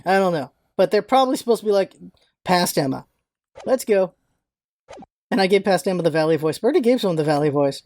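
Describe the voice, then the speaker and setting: A man's voice: high voice, darkish tone, no echo. A man hosting a game voice-through, giving casual commentary with muttered, self-questioning asides. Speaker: let's play host.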